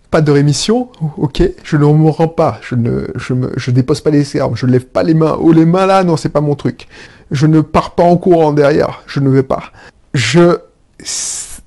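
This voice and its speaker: A man talking as an entrepreneur in a casual solo monologue, animated, often restarting and correcting himself. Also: fairly high pitch. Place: indoor room with air conditioning. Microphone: own microphones.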